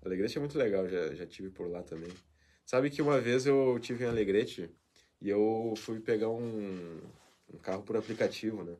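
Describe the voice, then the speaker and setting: At a moderate pace and in a lowish voice, a male host reads viewer comments on his live show. It's an emotional, warm farewell, chatty in tone and sprinkled with frequent tag questions like "né?".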